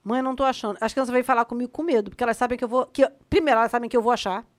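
A woman in her thirties with a Brazilian Portuguese accent, co-hosting a podcast in animated casual chat and swearing freely. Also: fairly high pitch, very fast. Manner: animated, swearing, frequent laughter. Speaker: podcast co-host.

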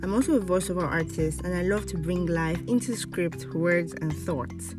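A woman's voice: on the low side, normal speed, distant mic. A woman voice-over artist reading scripted advertising copy. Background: music.

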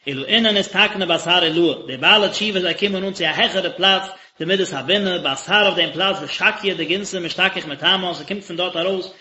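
Bright-voiced rabbi teaching in an echoey room. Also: male voice, high voice, a little fast, hardly any pauses. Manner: explains text phrase by phrase in short bursts. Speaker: rabbi teaching a daily lesson. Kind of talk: religious text study lesson. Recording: echoey, dull lo-fi recording.

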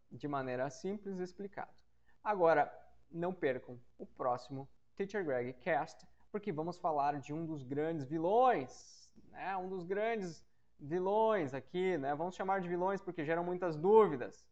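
A man teaching an English grammar lesson on a podcast. He repeats his example sentences slowly and keeps checking that listeners follow. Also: sits high, a little mellow. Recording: dull, muffled lo-fi audio.

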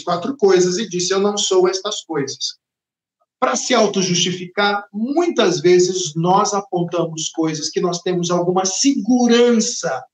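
A Brazilian Portuguese–accented man delivers a sermon with a high, lifted voice. He hammers home points in repeated, emphatic phrases. The sound carries the echo of a roomy space. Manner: emphatic, repetitive preaching cadence. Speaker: preacher.

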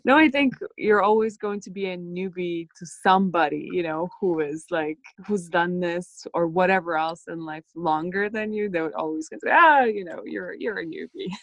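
A woman with a light Polish accent, a guest on a podcast, with a fairly low voice. She laughs easily and tells her story in an open, friendly way. The sound is dry and close. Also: moderate pace, few pauses, fairly bright tone, dry recording. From Poland. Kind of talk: casual interview.

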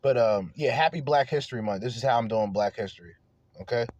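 A man hosting an off-the-cuff stream, rambling and swearing as if high, in a stoned manner. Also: fast talker, a little mellow, dry recording, highs cut off. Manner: profane, emphatic. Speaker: streamer and show host. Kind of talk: off-the-cuff ranting commentary.

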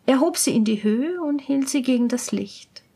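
A woman reading a fairy tale aloud in a slow, calm, even storytelling manner. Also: high-pitched, gravelly, slightly rough.

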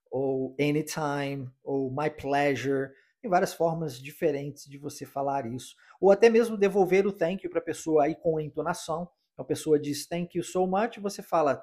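A Brazilian man hosting a podcast English lesson, explaining in Portuguese and slowly repeating English phrases to practise. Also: on the high side, darkish tone. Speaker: English teacher and podcast host.

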